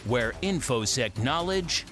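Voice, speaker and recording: Lively male announcer over music. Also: medium pitch, takes it slowly. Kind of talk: scripted show outro.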